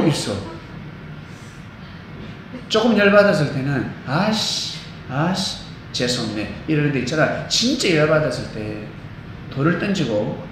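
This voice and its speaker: Male pastor, sermon, animated and theatrical, fairly high voice, very echoey church hall. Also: slight background noise. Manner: animated, acts out quotes, sings snatches of hymns.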